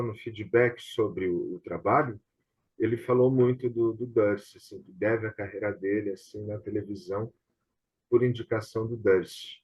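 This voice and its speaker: A Brazilian man hosting a casual panel conversation, speaking haltingly and repeating small words. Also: fairly low pitch, a little mellow, husky. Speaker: host of the series.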